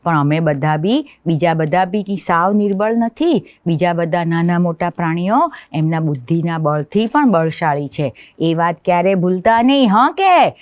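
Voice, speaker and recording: A woman voicing a cocky little male mosquito from a storybook, shouting shrill taunts. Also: animated, moderate pace, no room sound, close to an everyday voice. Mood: lecturing.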